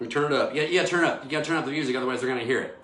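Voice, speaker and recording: A man's voice: medium pitch, very fast, fairly bright tone. A man hosting his own live video show, talking in an enthusiastic, preachy, rambling way with repeated declarations. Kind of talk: live casual monologue. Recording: echoey room.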